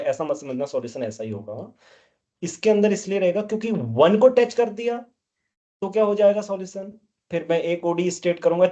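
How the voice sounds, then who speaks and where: This math teacher has a high, mellow voice, caught on a muffled recording. He lectures his class while scolding them and firing question after question at the students.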